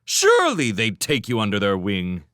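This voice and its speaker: A man's voice: lowish voice, very animated, moderate pace, a bit bright, no echo, studio quality. A man reading aloud, voicing a proud young male apprentice who talks stiffly and guardedly and flares into outrage. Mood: outraged.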